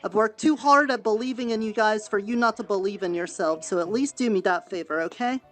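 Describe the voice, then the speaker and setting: A woman voices a brisk adventurer who pushes her friends to believe in themselves. Her voice sits at a middle pitch, with faint music behind. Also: fairly bright tone, close to an everyday voice. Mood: encouraging. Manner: brisk, firm and encouraging. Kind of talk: voice roleplay in a social VR world.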